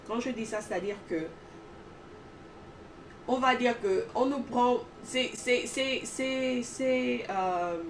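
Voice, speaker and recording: A woman's voice: on the high side, far from the mic, a little hiss or hum, poor audio. Earnest woman, heard off-mic. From Gabon. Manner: emphatic, repetitive phrasing. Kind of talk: earnest testimony talk.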